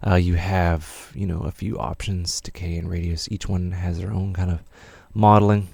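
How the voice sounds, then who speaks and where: A man's voice: deep voice, little pitch movement, moderate pace, gravelly, dark tone, husky. A man teaching music production in a casual, rambling tutorial with many fillers.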